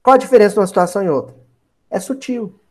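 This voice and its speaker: A man teaching a Bible study in a conversational, animated way, talking directly to his listeners and acting out quotes. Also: high-pitched, rapid-fire. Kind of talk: conversational lecture.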